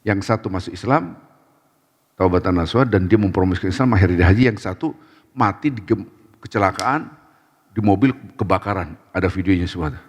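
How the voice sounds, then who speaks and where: A low-voiced male preacher gives a short sermon in a mosque, with his words ringing on in the long reverb of the hall. He tells stories with lively energy, acting out the people in them. Arabic devotional phrases run through his talk. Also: brisk.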